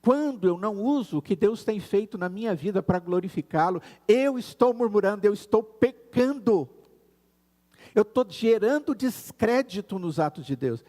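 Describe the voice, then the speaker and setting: A man with a Brazilian Portuguese accent preaching a sermon in a church, earnest and slowing down to stress key words. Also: sits high, lively intonation, mellow, big-room sound. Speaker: pastor. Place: church sanctuary.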